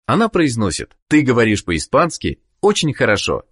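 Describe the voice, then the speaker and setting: A man narrating a scripted language course, giving clear prompts to the learner. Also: medium pitch, huge pitch swings, normal speed, fairly bright tone.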